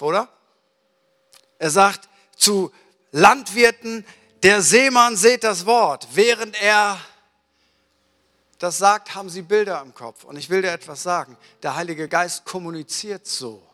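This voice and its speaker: A man delivers a sermon in a lively storytelling manner, slipping into little acted-out exchanges. His voice is bright and sits a bit high. It carries with a long reverb through a large hall. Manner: lively storytelling, acts out dialogue. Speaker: preacher.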